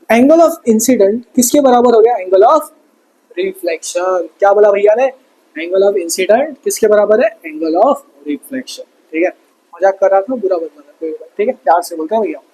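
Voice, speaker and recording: A man's voice: extremely high pitch, darkish tone, low-quality recording. A male teacher with an Indian accent giving an exam revision lesson, cracking jokes and constantly asking his students questions. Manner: joking, calls himself bhaiya, keeps asking students questions.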